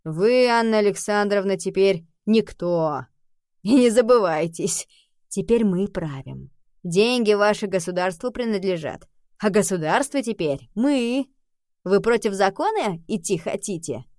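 A woman voicing a cold male revolutionary leader who lectures an old noblewoman in a stern, loud tone. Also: mid-range voice, animated, a little slow, no room sound, clean studio sound, close to an everyday voice. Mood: contemptuous.

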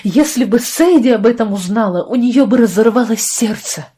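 A woman reading the part of a furious, grieving Amish woman who fires sharp, accusing questions. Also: medium pitch, a little slow, breathy edge.

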